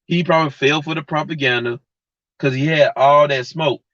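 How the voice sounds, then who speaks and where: Speaking to his live chat, a man with a rather high, slightly bright voice keeps a steady tone at normal speed while delivering a blunt, heated, slang-filled rant. The recording comes from a dull lo-fi mic without echo.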